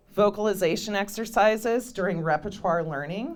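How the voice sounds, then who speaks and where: A woman speaks with a US Midwestern accent. Her pace is moderate and her pitch varies in an ordinary way. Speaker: choir director and voice teacher. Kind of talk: lecture.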